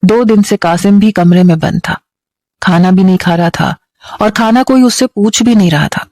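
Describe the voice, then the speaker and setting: Reading a dramatic tale aloud, this woman with a Pakistani Urdu accent keeps a steady pace while conveying emotion. Her pitch is medium and the recording is dry.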